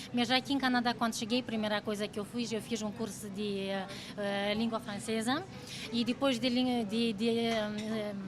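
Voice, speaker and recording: With music in the background, a woman in a Romanian accent speaks at a moderate pace and fairly high pitch, her intonation monotone and flat. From Moldova. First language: Romanian (speaking Portuguese). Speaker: restaurant cashier. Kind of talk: interview. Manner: halting.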